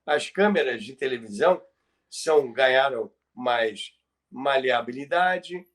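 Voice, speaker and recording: A man's voice: medium pitch, lively intonation, takes it slowly, a bit bright. A Brazilian man telling radio history conversationally as a podcast presenter, explaining things emphatically and repeating key phrases for effect.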